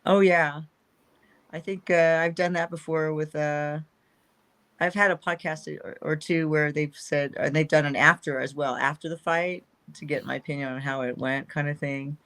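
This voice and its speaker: Chatty woman with gravelly edges. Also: deep voice, steady tone, moderate pace, a bit bright. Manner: chatty, rambling, laughs often, trails off. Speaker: guest. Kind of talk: casual interview.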